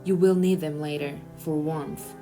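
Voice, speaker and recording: A woman voicing a firm, serious man who quietly gives instructions during a secret escape in a storybook. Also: steady tone, a little slow, soft background music. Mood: grave, instructing. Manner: firm, low-key instructions.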